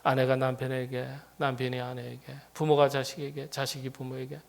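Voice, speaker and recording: A middle-aged man preaching a sermon as pastor. He is dramatic and rhetorical, often questioning the congregation and swinging from loud emphasis to hushed near-whispers. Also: medium pitch, completely flat delivery, a little fast, gravelly.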